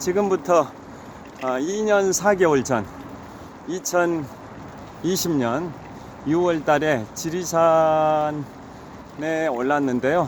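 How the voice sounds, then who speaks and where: A man speaks very slowly at a fairly high pitch, with ordinary pitch variation and long, frequent pauses. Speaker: marathon runner. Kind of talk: casual vlog narration while cycling. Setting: outdoors.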